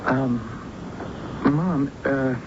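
An old radio drama with dull, noisy sound. a college-age son, earnest, stubborn and nervous. He stammers and hesitates in a mid-pitched young man's voice. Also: drawn-out words. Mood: nervous, hedging.

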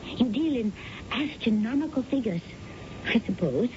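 An actress playing a proud but self-deprecating widow in a radio drama, speaking in a precise, insistent way. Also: female voice, animated, normal speed, lightly acted. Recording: dull, noisy old radio broadcast with rumble.

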